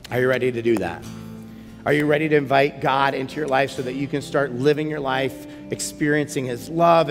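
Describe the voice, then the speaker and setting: Middle-aged male pastor, earnest sermon, long hall reverb, soft guitar underneath. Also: mid-range voice. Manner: earnest, repeats words, rises to urgent emphasis. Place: large church stage with a band.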